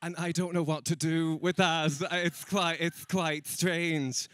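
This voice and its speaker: A man's voice: fairly high pitch, little pitch movement, slow, a bit bright, no room sound. A young man doing a stand-up comedy set, chatty and teasing with the crowd and laughing at his own jokes. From Ireland. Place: comedy stage in a room with an audience.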